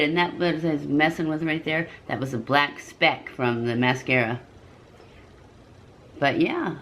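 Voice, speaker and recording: A woman's voice: lowish voice, gravelly, slight background noise. A woman in her fifties giving a casual, chatty makeup review to camera. She rambles a little and corrects herself as she goes. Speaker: beauty vlogger.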